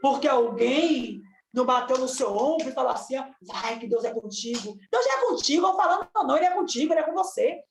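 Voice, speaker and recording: A woman's voice: high-pitched, lively intonation, fast. A woman preaching a fervent sermon, exhorting her listeners with repeated, rising calls. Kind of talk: Pentecostal-style sermon on a live stream. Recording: echoey room with faint noise.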